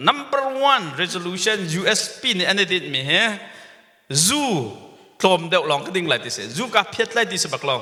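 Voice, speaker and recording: A man's voice: high-pitched, bright, forceful tone, big-room sound. A male pastor preaching a sermon, mixing English words into his speech. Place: church sanctuary.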